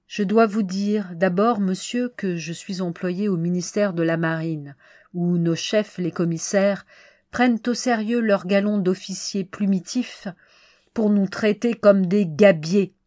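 A woman reading a classic short story aloud as an audiobook, measured and expressive. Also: mid-range voice, no echo, studio quality. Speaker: reader.

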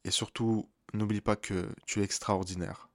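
A man's voice: lowish voice, level tone, normal speed. A man hosting a coaching podcast, encouraging and affirming his guest and audience. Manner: encouraging and affirming, many back-channel hums. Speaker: relationship coach and podcast host. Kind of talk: podcast interview and outro.

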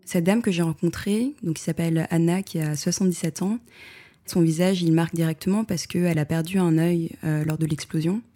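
A woman photographer answering interview questions in a reflective way, pausing often with fillers and restarting her sentences. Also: lowish voice, fairly even intonation, warm tone. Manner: hesitant, many fillers and restarts.

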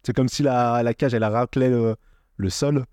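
A man's voice: mid-range voice, fairly even intonation, moderate pace, darkish tone, no room sound, clean studio sound. A man co-hosting a casual podcast, rambling with many restarts as he explains manga details. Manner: rambling, with frequent restarts and filler. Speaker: podcast co-host. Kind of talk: casual chat about a manga.

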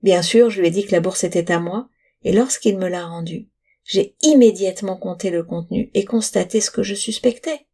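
A woman voicing a greedy, accusing rich landowner who shouts and rails, in a storybook reading. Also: mid-range voice, brisk, close to an everyday voice.

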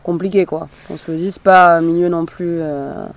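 A woman's voice: on the low side, steady tone, normal speed. A woman hosting a podcast, asking informal, friendly questions in a casual interview, recorded outdoors in a garden. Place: sunny garden in the mountains, outdoors.

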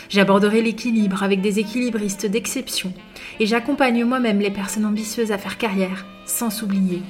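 A woman hosting a podcast interview, upbeat and chatty, with many filler sounds. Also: mid-range voice. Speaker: podcast host.

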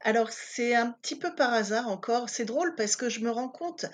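A woman's voice: on the high side, expressive, normal speed. A woman in her fifties from Paris, chatting casually as an interview guest, with many hesitant fillers. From Paris, France. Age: 50s.

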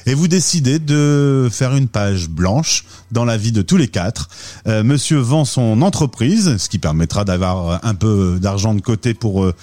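A man hosting an interview show, lively and upbeat, leading his guest through her story with questions. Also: fairly low pitch, measured pace. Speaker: podcast host.

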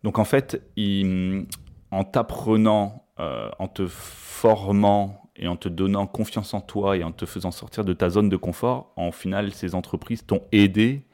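A man's voice: low voice, measured pace, darkish tone. A man hosting a podcast, asking questions and recapping his guest's answers in his own words. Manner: rephrasing, summarizing the guest's words. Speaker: podcast host.

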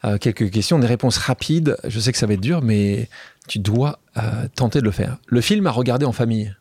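A man's voice: medium pitch, a little fast, darkish tone, breathy edge, dry recording. A man hosting a casual interview, asking questions and summing up the guest's points. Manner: conversational, prompts and sums up the guest's points. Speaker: podcast host.

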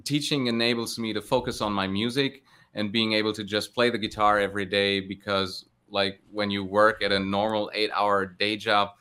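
A man speaks as an interview guest in a smooth, bright voice. He phrases his answers casually and thoughtfully, often hesitating as he goes. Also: on the low side, little pitch movement, normal speed, hardly any pauses. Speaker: interview guest, guitar teacher.

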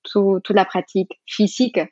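A woman's voice: medium pitch, steady tone, normal speed, dark tone, breathy edge, no echo. Mexican woman in her 30s, lots of restarts and little laughs, kinda muffled dry audio. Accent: Mexican Spanish. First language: Spanish. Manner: thoughtful, many restarts and fillers, laughs easily. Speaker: guest, yoga teacher. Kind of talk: podcast interview.

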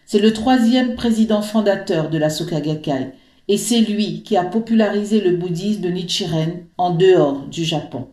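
A middle-aged woman from French Guiana reading her personal testimony in an earnest, measured way. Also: fairly low pitch, dark tone, echoey room. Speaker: podcast guest.

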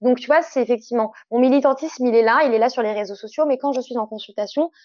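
A woman in a fairly high voice. She explains her points emphatically, in the conversational way of a podcast guest. The sound is close and dry, slightly muffled and lo-fi. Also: fast, a little mellow, dry recording. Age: 30s. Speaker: interviewed guest, clinical sexologist.

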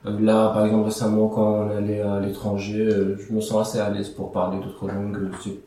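A man's voice: lowish voice, monotone, normal speed, dark tone, very echoey, distant mic, a little hiss or hum. A young man from Iraq, whose first language is Aramaic, answering interview questions in a casual, hesitant way with many fillers and restarts. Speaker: interview guest.

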